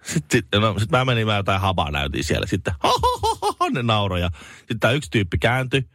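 A man's voice: lowish voice, huge pitch swings, a bit bright, no echo, studio quality. A man in his thirties co-hosting a morning radio show, telling rambling anecdotes with lots of restarts. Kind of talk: casual chat, storytelling.

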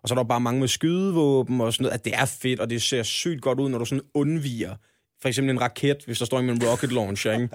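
A man chatting casually about video games on a podcast, animated and jokey, acting out little quotes. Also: mid-range voice, dry recording, studio quality. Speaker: podcast host.

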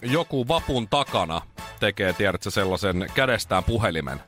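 A man's voice: fairly low pitch, expressive, fairly bright tone. A man co-hosting a radio morning show, wryly rattling off jokes in casual banter. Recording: radio studio with music bed. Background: music playing under the talk.

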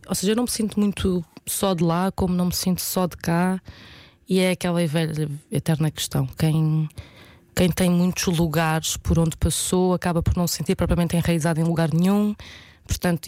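A woman in her thirties with a European Portuguese accent, an actress answering interview questions in a thoughtful, hesitant way with many pauses and fillers. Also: lowish voice, darkish tone, dry recording. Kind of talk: reflective casual interview talk.

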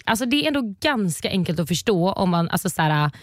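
A woman's voice: fairly low pitch, dry recording, clean studio sound. A young woman co-hosting a podcast in casual chat, telling a story animatedly and acting out what people said. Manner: animated storyteller, acts out quotes. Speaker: podcast co-host.

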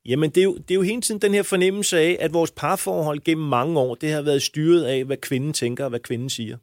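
Giving interview answers as a men's coach, a man with an on-the-high-side voice and fairly even intonation speaks bluntly and with emphasis, frequently swearing crudely. The sound is clean studio audio with no echo.

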